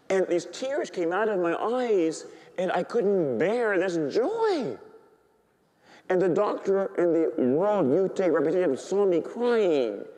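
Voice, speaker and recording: A middle-aged man, a priest, preaching and telling a story with great feeling, dropping to a hush and rising to high excited tones. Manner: animated storytelling, swings from hushed to high excited voice. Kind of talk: sermon. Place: church. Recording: reverberant church hall.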